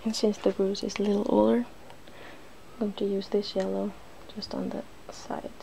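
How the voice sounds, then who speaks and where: Softly whispering woman with a creaky edge. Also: mid-range voice, level tone, normal speed, slight background noise, rough recording. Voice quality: soft, breathy whispering and hushed talk. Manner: playful, giggly. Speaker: ASMR video host. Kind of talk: ASMR makeup demonstration, narrating each step.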